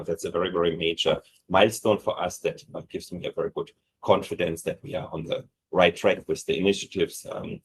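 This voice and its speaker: A low-pitched man walks listeners through business updates on an earnings call, hesitating between phrases with frequent fillers. A faint hiss sits under his voice. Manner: halting, many fillers and pauses. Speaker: company executive presenting results.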